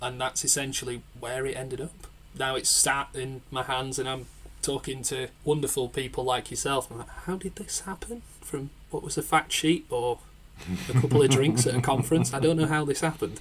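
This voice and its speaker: Speaking with a Yorkshire accent, a man keeps a medium pitch, fairly even intonation and a moderate pace. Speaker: clinical psychologist and author. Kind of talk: casual chat.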